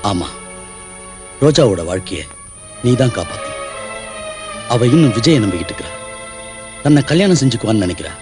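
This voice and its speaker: A man's voice: on the low side, very animated, a little fast, long pauses, music in the background. An actor playing a scheming, pleading father in a film melodrama. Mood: pleading, grave. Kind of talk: Tamil film melodrama acting.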